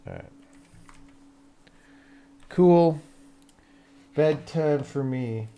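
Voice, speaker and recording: Gravelly-voiced man chatting casually on stream. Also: a little high, very slow, mellow. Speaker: game developer and livestream host. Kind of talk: casual livestream chat.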